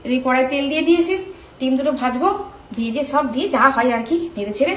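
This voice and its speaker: A woman's voice: high-pitched, quick pace, poor audio. A woman with a West Bengal Bengali accent, vlogging casually and exclaiming as she chats about what she is doing. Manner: chatty, exclaiming, narrating what she does. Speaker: lifestyle vlogger. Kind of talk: casual home vlog. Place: garden with mango trees, then home kitchen.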